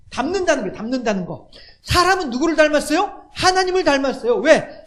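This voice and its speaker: A male pastor, preaching in a conversational way, asking the congregation questions and acting out little quotes. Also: very high voice. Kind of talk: sermon.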